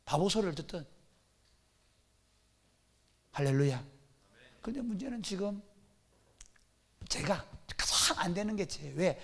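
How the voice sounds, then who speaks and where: Man, pastor, sermon, emphatic, rhetorical questions, high pitch, bright forceful tone. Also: breathy edge. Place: church service.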